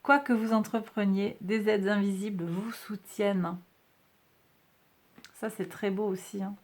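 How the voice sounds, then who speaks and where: A woman's voice: medium pitch, steady tone, unhurried. A woman reading tarot cards and astrology for her viewers in a casual, reassuring way, often tagging her sentences with little checks to her audience. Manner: chatty, reassuring, peppered with "hein" and "d'accord"; addresses viewers directly as a group. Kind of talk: casual card-reading monthly forecast.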